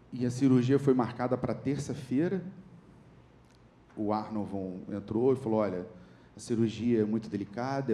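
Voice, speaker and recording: A man's voice: medium pitch, mellow, a little hiss or hum. A young Brazilian man giving a sermon testimony, telling a story and acting out the dialogue in it. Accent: Brazilian Portuguese. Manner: storytelling, acts out dialogue with rising voice. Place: church. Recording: echoey church hall with faint ambience.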